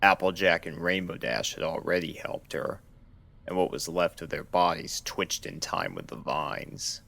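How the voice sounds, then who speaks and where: A man narrating a scripted horror story in a measured, dramatic storytelling manner. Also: sits low, creaky, bright, forceful tone. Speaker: narrator of fan fiction readings.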